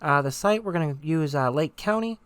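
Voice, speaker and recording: A presenter giving step-by-step software tutorial narration in an instructional, conversational manner. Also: mid-range voice, animated, a little fast, clean tone, no echo.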